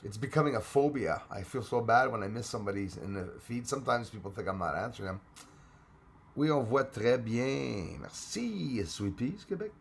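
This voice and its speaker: A middle-aged man from Quebec hosts a relaxed live stream, greeting viewers and reading their comments aloud. He speaks with a Québécois French accent in a voice of ordinary male pitch, and laughs easily between remarks. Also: moderate pace, vocal fry, slight background noise. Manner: chatty, laughs often, switches between English and French.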